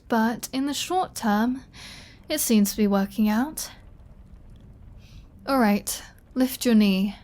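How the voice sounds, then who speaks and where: A woman's voice: a little high, a little mellow. A woman voicing a flirty, possessive female vampire in an intimate ASMR roleplay, with a teasing, playfully threatening manner. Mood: fond exasperation.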